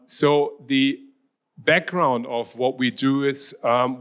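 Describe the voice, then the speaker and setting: A middle-aged man from Germany gives a slide talk in a German-accented voice of ordinary pitch. He speaks with a hesitant, halting flow, often pausing on "um" and restarting his phrases. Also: a bit bright. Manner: hesitant, many ums and restarts. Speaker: university researcher.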